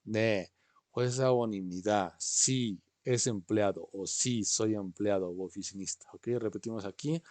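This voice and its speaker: Over a video call, a male language teacher runs an online class, explaining things patiently and checking in often with his students. He speaks unhurriedly in a lowish, darkish voice with no echo.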